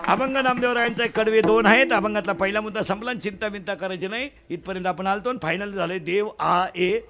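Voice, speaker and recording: High-voiced man preaching a comic sermon. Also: fast talker, soft background music. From Maharashtra. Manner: animated, loud bursts, mimics village folk. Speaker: kirtan preacher.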